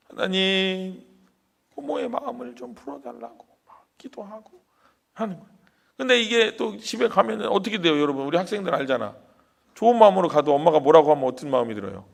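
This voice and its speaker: A male senior pastor telling a story in a sermon, animated, questioning the congregation and dropping to a hush. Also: on the high side, gravelly.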